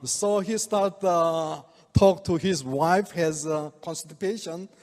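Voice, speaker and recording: An older man with a Korean accent, speaking halting non-native English to an audience and chuckling often. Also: fairly high pitch, darkish tone. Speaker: speaker, oriental medical doctor. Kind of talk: presentation to a live audience. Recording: reverberant hall.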